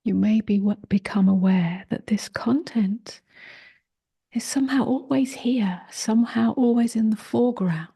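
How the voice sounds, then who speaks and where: A woman leading a guided meditation, speaking softly in short phrases with long pauses, gentle and often close to a whisper. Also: fairly high pitch. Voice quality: soft, breathy, husky, often near a whisper. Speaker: meditation teacher.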